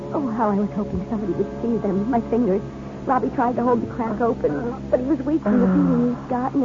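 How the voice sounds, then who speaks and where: An actress playing an anguished wife recounting an ordeal in a 1950s radio drama, emotional and halting. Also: female voice, fairly high pitch, noisy background, lightly acted. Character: anguished young wife recounting her abduction. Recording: muffled old radio, music behind.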